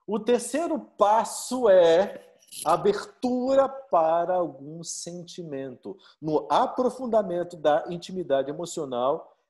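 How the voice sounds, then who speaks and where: A man with a Brazilian Portuguese accent, a marriage therapist giving a live-stream talk, animated and full of rhetorical questions. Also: high voice, slow pace. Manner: animated, acts out little dialogues and asks rhetorical questions.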